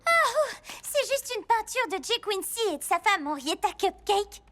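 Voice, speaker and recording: Talkative young girl, spirited, very high voice, animated pitch, emphatic, children's cartoon. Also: moderate pace, over music. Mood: earnest storytelling. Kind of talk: French cartoon dub.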